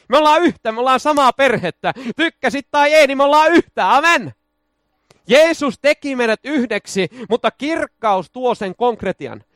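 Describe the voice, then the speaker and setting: A high-pitched man preaching with exuberant energy, his clear as he breaks into shouted hallelujahs and folksy jokes. The sound is dry and close, with no room echo. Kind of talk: charismatic sermon.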